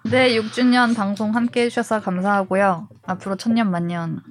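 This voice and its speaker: A woman's voice: mid-range voice, fairly even intonation, moderate pace. Woman in casual, questioning panel chat. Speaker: reporter on a panel talk show.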